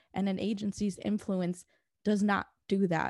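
Her voice is unremarkable and medium in pitch, with an American accent. The woman is heard against a quiet background. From South Florida. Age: 20s. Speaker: podcast host, sports agent. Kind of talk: casual chat.

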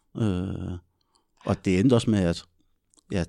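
The voice has a dark, mellow tone, a fairly quick pace and ordinary pitch variation, recorded dry and close with no echo against a silent, very clean background. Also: man. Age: 40s. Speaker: social worker with troubled youth. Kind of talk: casual interview. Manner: halting.

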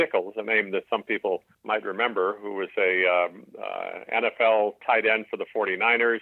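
With an American accent and a normal speaking voice, a man talks at a moderate pace, fairly low in pitch, with fairly even intonation. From US Midwest, Chicago. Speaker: sports broadcaster. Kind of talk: interview, casual storytelling.

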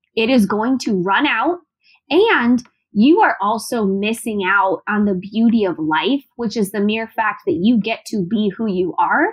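Lively in intonation and somewhat breathy, a woman with an American accent speaks at a fairly slow pace in a fairly high voice. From Chicago. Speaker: brand consultant for athletes. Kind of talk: interview.

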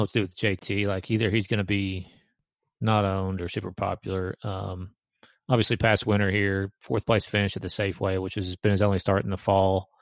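In a Southern US accent, a man with a fairly low pitch talks at a moderate pace, the sound dry and close with no echo. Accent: country Southern US. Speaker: podcast co-host. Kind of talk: casual sports chat.

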